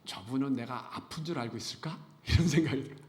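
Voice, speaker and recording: A middle-aged pastor preaching a sermon in a church. He is animated and playful, laughs through his points, rises to loud emphasis and drops to whispers. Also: medium pitch, fast. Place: church sanctuary. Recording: roomy church echo.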